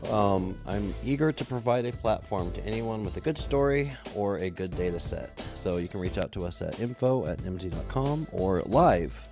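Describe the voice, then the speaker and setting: A man's voice: fairly low pitch, animated, moderate pace, hardly any pauses, over music. A man hosting a live streamed industry talk show, upbeat as he runs through plugs and introduces his guest over a video call. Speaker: host.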